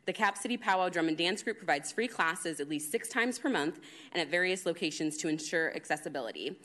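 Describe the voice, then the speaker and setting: A woman's voice: lowish voice, a bit bright. A woman commissioner at a city meeting, reading prepared award remarks earnestly into a podium microphone. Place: city council chamber.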